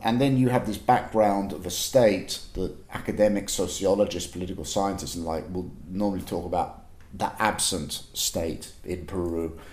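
A man with an English accent talks in a fairly low voice with hardly any pauses. Audible room echo can be heard. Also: ordinary pitch variation, moderate pace. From England. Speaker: freelance environmental journalist. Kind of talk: field reporting. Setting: outdoors on a fishing pier.

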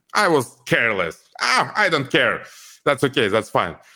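Man with a Russian accent. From Kazakhstan, Almaty. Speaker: e-bike company founder. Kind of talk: interview. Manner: halting.

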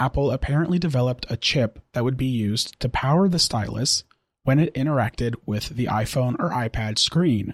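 At a moderate pace, a man with a medium pitch and a somewhat breathy voice uses ordinary pitch variation, with a dry, close sound and no echo. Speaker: tech news podcast host. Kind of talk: scripted news reading.

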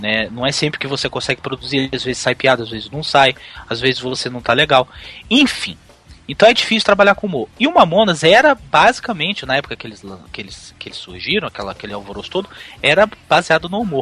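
A man with a fairly high voice talks very fast, his pitch swinging very widely and his loudness rising and falling sharply, in a dry, close recording with no echo. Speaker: podcaster. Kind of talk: casual chat.

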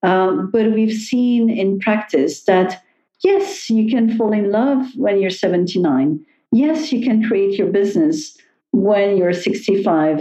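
Her delivery is very slow, with lively intonation. The woman's loudness stays very even throughout. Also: medium pitch for a woman. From Switzerland. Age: 50s. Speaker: HR consultant and author. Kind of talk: interview.

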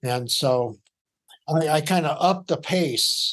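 A man speaks at a very slow pace. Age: 70s. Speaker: motorcyclist guest. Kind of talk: casual chat. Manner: halting.

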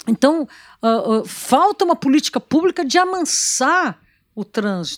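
Her pitch swings very widely as this woman speaks. The recording is very clean, with a silent background. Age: 60s. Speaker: cycling activist and video reporter. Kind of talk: interview.

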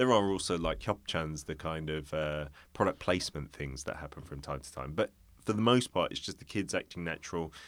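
Speaking at a fairly quick pace in a North London accent, the voice has vocal fry, ordinary pitch variation and big swings in loudness, on a very clean recording with a silent background. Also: man. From London, England. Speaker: broadcaster and English teacher in Korea.

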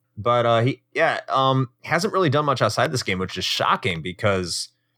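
A man's medium-pitched voice with vocal fry and a bright, sharp tone, very wide pitch swings, a moderate pace, and a dry, close sound with no echo on a very clean recording with a silent background. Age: 30s. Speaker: podcast host and student. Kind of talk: casual chat. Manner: animated.

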